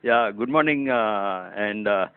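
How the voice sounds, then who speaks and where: A man's voice: lowish voice, measured pace. A man asking formal business questions as an analyst caller. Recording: dry, narrow telephone line.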